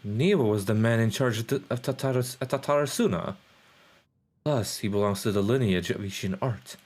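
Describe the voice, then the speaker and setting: A man live-streaming a game, reacting casually and reading dialogue aloud in a halting, thinking-aloud way. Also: medium pitch, a little mellow, slight background noise.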